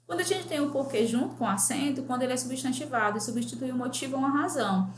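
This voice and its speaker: A woman's voice: high voice, fast. A woman teacher correcting grammar exercises for a class, reading questions aloud and often checking in with "né?". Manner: reads exercises aloud, asks the class, frequent "né?". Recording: echoey room with faint ambient noise.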